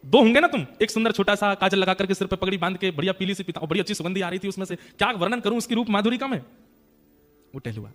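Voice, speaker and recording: A man's voice: high voice, lively intonation, fast, a bit bright. A man voicing a stubborn, lovesick Muslim devotee who talks in an agitated, pleading way.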